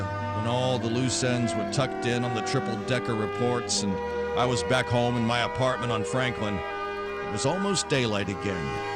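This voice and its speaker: A man's voice: mid-range voice, lightly acted. Weary hard-boiled radio detective, acted by a man, over music. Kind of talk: 1940s radio acting, first-person noir narration.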